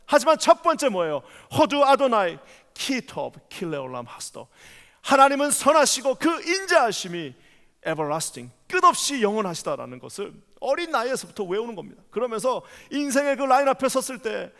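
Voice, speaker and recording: A male pastor with a fairly high voice delivers a Sunday sermon. He swings between ringing proclamations and quiet, intimate questions to the congregation. The sound carries a long reverb from the sanctuary. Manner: swings from loud proclaiming to hushed, rhetorical questions. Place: church sanctuary.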